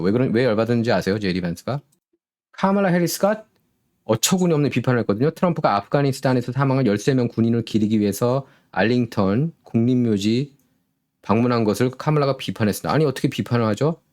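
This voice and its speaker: A man's voice: mid-range voice, darkish tone. A man hosting a solo political commentary show, sarcastic and full of rhetorical questions.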